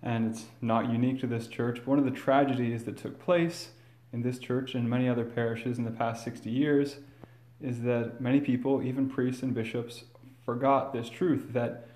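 A man serving as priest, reading the Gospel and then preaching a homily in a measured, earnest way, with some fillers and restarts, recorded in a large church with cathedral echo. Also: mid-range voice, steady tone, darkish tone.

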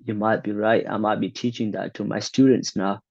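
A man's voice: on the low side, level tone, fairly quick, gravelly, a little mellow, husky, dry recording, lo-fi sound. A man in his twenties chatting casually, opinionated and acting out quotes as he tells his stories. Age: 20s. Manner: opinionated, acts out quotes, stammers on restarts. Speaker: conversation partner. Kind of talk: casual chat.

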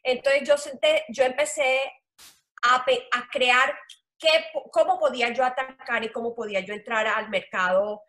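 A middle-aged woman from Colombia with a strong Caribbean coast accent, explaining her work as a loan officer in an interview, earnest and filling pauses with "eh". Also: a little high, steady tone, bright, forceful tone. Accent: Colombian Caribbean coast Spanish. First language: Spanish. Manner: earnest, explanatory, with frequent "eh" fillers. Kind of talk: interview answers.

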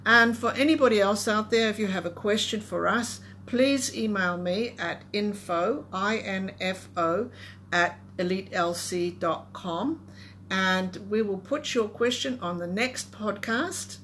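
A woman's voice: mid-range voice, measured pace, a bit bright, slight background noise. A woman hosting a podcast in casual conversation, talking with frequent fillers and restarts. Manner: hesitant, many fillers and restarts. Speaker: podcast host.

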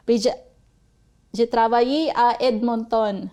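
A woman in her forties from the Philippines with a Filipino accent, whose first language is Bisaya, answering interview questions haltingly and searching for her words. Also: on the high side, fairly even intonation, dark tone. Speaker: interview guest. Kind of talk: casual interview.

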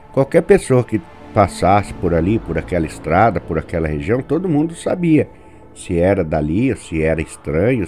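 Man telling a spooky story, lively pitch. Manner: conversational, asks listener "sabe?". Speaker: host and storyteller.

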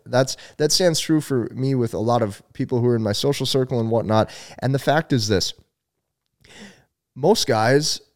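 A man's voice: medium pitch, a little mellow. A young man giving dating advice straight to the viewer, emphatic and blunt, with casual swearing and points counted off as A, B, C. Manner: casual profanity and many restarts. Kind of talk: direct-to-camera advice monologue.

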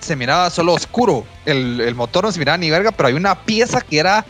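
A man telling a road-trip story on a podcast, animated and profane. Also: on the high side, quick pace, soft background music. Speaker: podcast host. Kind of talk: casual storytelling chat.

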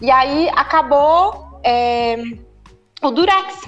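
A Brazilian woman with a Brazilian Portuguese accent, telling a story in a casual chat and filling pauses with "né". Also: high voice, dull audio, soft background music. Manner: animated storyteller, many fillers like "né".

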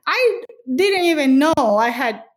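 A woman's voice: sits high, sing-song, a little slow. A middle-aged woman from the Dominican Republic, talking earnestly in an interview about her work and life, with frequent restarts and fillers. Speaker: author and interviewee. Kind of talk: conversational interview.

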